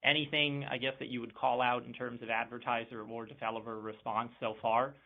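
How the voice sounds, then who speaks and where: Male analyst, creaky flat voice, casual tentative questions on a phone line. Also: medium pitch, brisk. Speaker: financial analyst asking questions. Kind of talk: casual conference call question.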